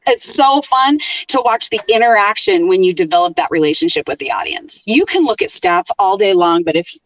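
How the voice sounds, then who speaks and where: A middle-aged woman who works in radio, chatting casually and telling stories in an animated way as a podcast guest. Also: mid-range voice, a little fast, no room sound, recorded from a distance, low-quality recording. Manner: animated storyteller, lively tone. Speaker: radio programmer and on-air host, podcast guest. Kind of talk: casual interview chat.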